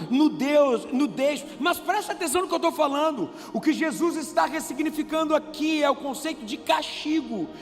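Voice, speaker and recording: A man with a Brazilian Portuguese accent preaching a sermon, animated and conversational, asking the congregation rhetorical questions. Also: extremely high pitch. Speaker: pastor. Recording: reverberant church hall with faint music.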